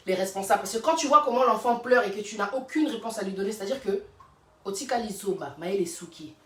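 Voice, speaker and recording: A woman's voice: lowish voice, a little hiss or hum. Fiery woman. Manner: emphatic, fiery, repeats rhetorical questions. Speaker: vlogger. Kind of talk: casual monologue rant. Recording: roomy sound from a distant mic.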